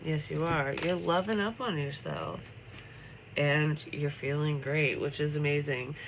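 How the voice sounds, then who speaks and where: A congested woman talks through a late-night tarot reading in a chatty, upbeat way, her voice sitting in a gravelly fry. Steady noise hums under the recording, and cards shuffle now and then. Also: low voice, unhurried, low-quality recording. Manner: chatty and upbeat, full of filler words. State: stuffy, congested nose. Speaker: tarot reader.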